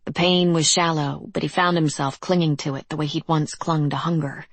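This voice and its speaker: A woman narrating an audiobook in measured, dramatic scripted narration. Her voice is low and husky, and the recording is dry and close. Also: fairly even intonation, no echo.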